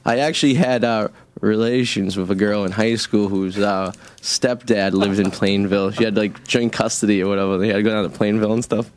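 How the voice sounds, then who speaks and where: A man's voice: fairly low pitch, fairly even intonation, fairly quick, few pauses. Thirties Boston-accented male radio host, crude, jokey studio banter. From Massachusetts, USA. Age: 30s. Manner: bawdy, laughs at his own jokes. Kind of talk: casual joking chat.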